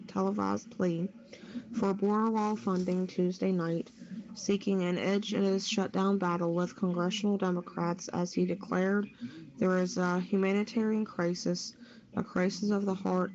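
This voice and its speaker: A woman's voice: fairly low pitch, fairly even intonation, normal speed, lo-fi sound, crowd noise. A woman co-hosting a talk show, reading a news story aloud. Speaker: show co-host.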